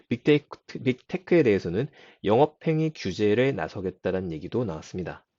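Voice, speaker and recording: A man with a low, slightly hoarse voice hosts a daily tech news segment, talking quickly and with a lively, rising-and-falling delivery. The recording is dry and a bit dull. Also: no room sound. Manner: chatty, explains to listeners with asides. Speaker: host of a daily IT news show. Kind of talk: casual spoken IT news commentary.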